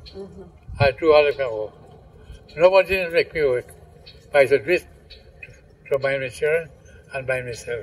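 A man with a Trinidadian accent talks at a fairly quick pace, with a fairly high pitch and ordinary pitch variation. His voice is somewhat breathy, with big swings in loudness and long, frequent pauses. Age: 80s+. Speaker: retired sugar cane labourer. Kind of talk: interview answer. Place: garden.

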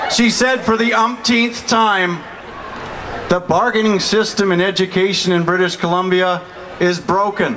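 A man with a high-pitched voice talks at a moderate pace and very even loudness. Crowd noise carries in the background. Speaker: opposition politician. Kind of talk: fiery outdoor rally speech, mocking the premier with a string of rhetorical questions. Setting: outdoor rally stage with crowd. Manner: rousing crowd-pleaser, building up to a big introduction. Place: street. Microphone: camera far.

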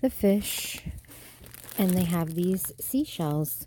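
At a very slow pace, the voice shows ordinary pitch variation in a dry sound with no echo over light background noise. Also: woman. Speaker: shopping vlogger. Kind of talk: casual vlog chat. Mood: excited, delighted. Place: shop. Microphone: phone near.

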